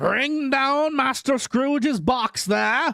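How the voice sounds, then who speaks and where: Using a put-on character voice, a man speaks at an extremely high pitch. His pace is very slow. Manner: terrible, booming.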